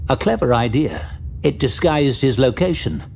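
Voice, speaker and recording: A man's voice: medium pitch, animated, moderate pace, vocal fry, a little mellow, a little hiss or hum. A man giving a dramatic scripted narration of a fantasy story. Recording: music behind the narration.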